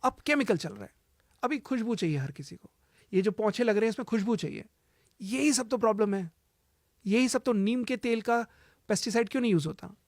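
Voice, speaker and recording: A man's voice: sits high, lively intonation, brisk, no echo, clean studio sound. A man speaking as a cancer healer, giving urgent advice and repeating his warnings, mixing English phrases into Hindi. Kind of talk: advice-giving interview talk.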